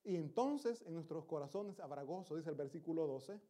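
A man's voice: fairly high pitch, expressive, normal speed, mellow. A male pastor preaching a Sunday sermon, exhorting the congregation and asking them questions. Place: church service.

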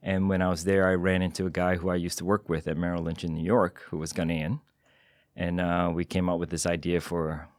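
A man from Singapore, with a notably low voice, answers a podcast host in a dry studio. He speaks modestly and measuredly, pausing often with small hesitations. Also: flat delivery, no room sound. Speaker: guest. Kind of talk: interview answers.

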